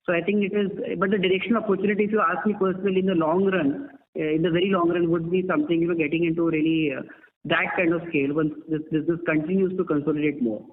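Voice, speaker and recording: A man with an Indian accent, a company executive answering investors in measured corporate speech peppered with "you know", over a tinny conference line. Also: on the high side, fairly even intonation. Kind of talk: earnings call answers. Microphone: telephone.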